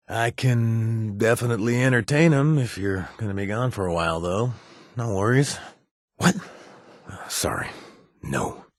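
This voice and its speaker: A man's voice: lowish voice, a bit bright, breathy edge, no echo, clean studio sound, heavily acted. An actor playing a reformed ex-gang man turned bartender in a video game, laid-back and wisecracking. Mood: friendly, then nervous.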